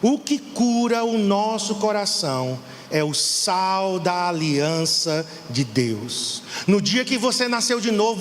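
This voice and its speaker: A Brazilian pastor preaches with fervor, his voice sitting high for a man. The sound carries a long reverb from the church hall, with faint noise underneath. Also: a bit bright. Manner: fervent, preaching to the congregation. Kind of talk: sermon.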